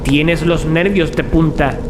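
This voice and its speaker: An actor playing a level-headed, skeptical young student in an audio horror drama, blunt and emphatic. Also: male voice, on the high side, fairly even intonation, takes it slowly, background noise. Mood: amused scolding.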